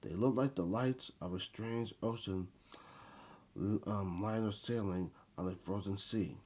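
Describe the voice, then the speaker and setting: A man reading a children's Christmas story aloud in a halting way, stumbling and repeating phrases, with a husky voice. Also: lowish voice, darkish tone.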